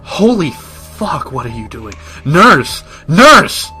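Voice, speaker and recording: An ordinary guy played by a male actor as a panicky hospital patient in a horror audio drama. His pitch jumps around a lot as casual talk tips toward frantic yelling, over faint music. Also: big pitch swings, slow pace, full character voice. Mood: panicked.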